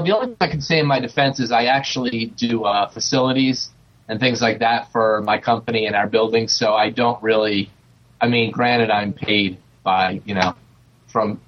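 Forty-something man, lo-fi and low-pitched. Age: 40s. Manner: chatty, hesitant with many fillers. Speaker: guest. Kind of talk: casual interview chat.

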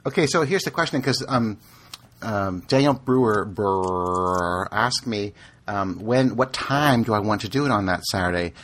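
Husky, laid-back male podcast host. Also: fairly low pitch, moderate pace, a bit bright. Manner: laid-back, laughs easily. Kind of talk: casual podcast chat.

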